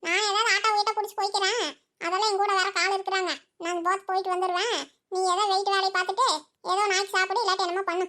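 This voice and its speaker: A woman voicing a sharp-tongued old village mother-in-law in a cartoon, who scolds and teases with quick retorts. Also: extremely high pitch, level tone. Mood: scolding. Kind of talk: cartoon voice acting.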